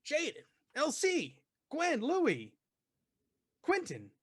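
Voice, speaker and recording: A man voicing an eager, gracious gentleman in a white suit who welcomes guests to his table. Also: extremely high pitch, wildly swooping pitch, very slow, pitched above the performer's own voice, exaggerated voice. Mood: welcoming. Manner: effusive, repeating welcomes.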